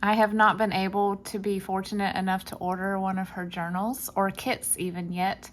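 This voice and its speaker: Someone with a Southern US accent talks at a fairly slow pace with fairly even intonation on a very clean recording with a silent background. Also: woman. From US South. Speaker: craft YouTuber. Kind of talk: unboxing video.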